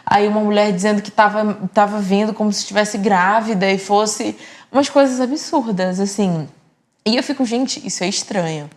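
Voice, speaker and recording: A woman's voice: medium pitch, fairly even intonation, moderate pace. A Brazilian woman, a guest on a church podcast, speaking earnestly and reflectively about faith. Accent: Brazilian Portuguese. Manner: earnest, reflective, quoting herself. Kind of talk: casual church podcast chat.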